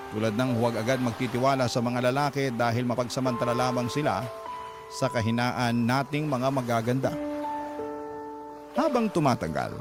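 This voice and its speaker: A man's voice: medium pitch, close to an everyday voice. A man playing a proud, resilient gay man, narrating his life story for radio with a Filipino accent in a confiding, dramatic way. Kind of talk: dramatised first-person radio letter narration. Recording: loud music bed under voice.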